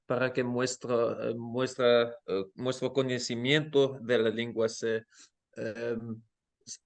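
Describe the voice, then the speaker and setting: Talking as a guest in a relaxed interview at home in Amsterdam, this Dutch-speaking language teacher delivers his words flatly from a mid-range voice. He is slow and unsure, often restarting, using fillers and hunting for the right word.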